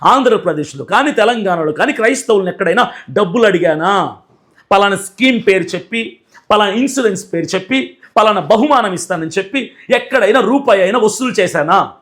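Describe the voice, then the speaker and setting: High-voiced indignant man scolding. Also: animated, brisk, a bit bright. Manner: indignant, scolding, repetitive rhetorical questions. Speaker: Christian activist and YouTuber. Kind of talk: angry video rant.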